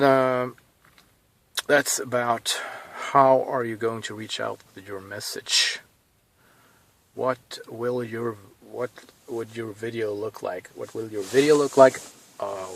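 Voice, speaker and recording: A man in his thirties with a Swedish accent, talking casually to camera from inside a car, thinking aloud with pauses and restarts. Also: mid-range voice, fairly bright tone. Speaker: vlogger.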